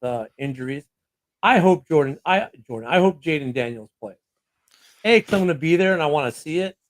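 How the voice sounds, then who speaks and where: Chatty man, slightly high voice. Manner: loose and chatty, with fillers and laughs. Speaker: podcast co-host. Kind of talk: casual sports chat.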